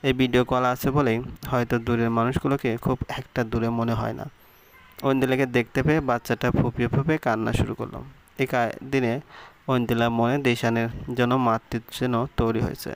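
A man's voice: mid-range voice, little pitch movement, fairly quick, clean tone. A man reading a romantic story aloud as a scripted narration.

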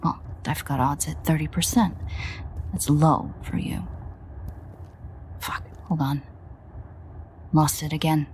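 A woman playing a sardonic, exasperated vampire in an audio roleplay, grumbling and swearing in a husky near-whisper. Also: low-pitched, steady tone, takes it slowly, pauses often, darkish tone, slight background noise. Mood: weary, grumbling. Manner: sarcastic, profane, grumbling. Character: sardonic, exasperated female vampire, reluctant ally. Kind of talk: audio roleplay addressed to the listener.

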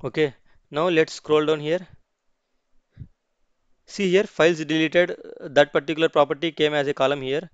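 A man talks through a software tutorial at his computer, narrating every click and often stopping to restart a sentence. His voice is smooth and clear and sits at an ordinary pitch. The recording is dry and a little dull, with no room sound. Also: steady tone, moderate pace, pauses often, no echo. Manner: explains step by step, with many restarts and "okay, see" asides. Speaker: tutorial host.

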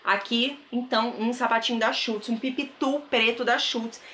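A fairly high-pitched woman in her thirties, with a Brazilian Portuguese accent, keeps a steady, sharp tone at a moderate pace. As a thrift vlogger, she chats enthusiastically to viewers in a casual haul vlog. A close camera mic records her indoors in a bedroom with a wardrobe, with a little hiss or hum.

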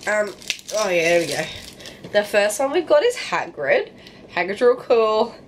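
A young woman with a nasal voice talks in a loose, self-mocking, bubbly way as she unboxes toys for her home vlog. Her voice sits at an ordinary pitch for a woman. It carries the bounce of a bare, echoey room, with a light hiss underneath. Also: big pitch swings, unhurried. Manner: chatty and self-mocking, bubbly over small finds. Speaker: book vlogger. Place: home living room and bedroom, indoors.

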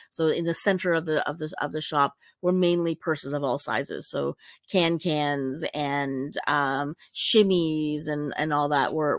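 A woman with a somewhat low voice narrates over a series of photos in a loose, chatty way. She rambles, stops to correct herself and fills pauses with ums and uhs. Her voice sounds dry and close, with almost no room around it. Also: dry recording. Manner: rambling, many fillers and self-corrections. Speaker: vlogger describing a warehouse sale.

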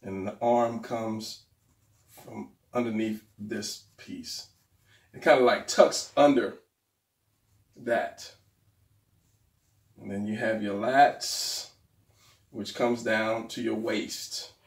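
A man with a gravelly, hoarse voice walks through a drawing lesson, often trailing off into mutters as his pen moves. He sits at a desk, picked up by a mic set some way back, so the voice sounds a little distant. The room adds a noticeable echo. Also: fairly low pitch, fairly even intonation, slow pace, long pauses. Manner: talks while drawing, trailing off and muttering to himself. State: losing his voice. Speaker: art instructor. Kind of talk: drawing tutorial while sketching. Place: indoors at a desk. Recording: roomy, slightly distant mic.

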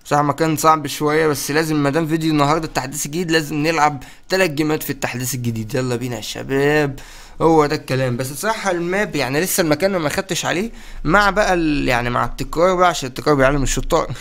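Fast-talking Egyptian man gaming. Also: a little high. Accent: Egyptian Arabic. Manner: excitable, urgent, calls out to viewers. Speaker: gaming channel host. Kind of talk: let's-play commentary.

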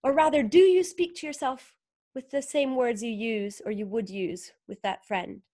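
This guest author, a woman from northern Italy, talks thoughtfully in a conversational interview over a webcam video call, leaning on fillers and rhetorical questions. Her warm voice is a little high with fairly even intonation and normal pacing. She's in a small indoor room, and the audio has no echo and studio quality.

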